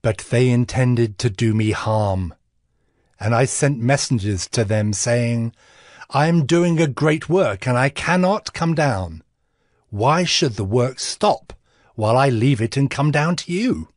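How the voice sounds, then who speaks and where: A man playing a righteous governor narrating his deeds in a dramatized scripture reading, measured and earnest. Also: medium pitch, lively intonation, dry recording, studio quality. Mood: earnest, resolute. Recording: music bed behind the voice.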